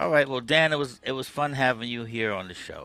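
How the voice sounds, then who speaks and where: Moderate-paced talking from a man, backed by music. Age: 60s. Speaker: podcast host. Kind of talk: casual interview.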